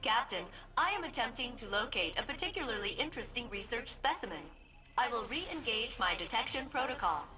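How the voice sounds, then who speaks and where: Failsafe, a chipper ship AI. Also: female voice, a little high, fairly quick, faint music behind. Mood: cheerful deadpan. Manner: prim, precise phrasing with deadpan asides. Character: chipper, literal-minded female ship AI. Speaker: game character. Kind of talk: video game voice acting.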